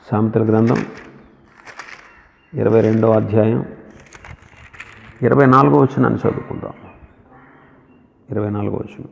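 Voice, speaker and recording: A man with a deeply gravelly voice preaches a sermon, pressing his questions on the listeners. His words ring with long reverb as though in a big hall. The sound is thin and narrow, much like a phone line. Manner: emphatic, asks the listeners questions.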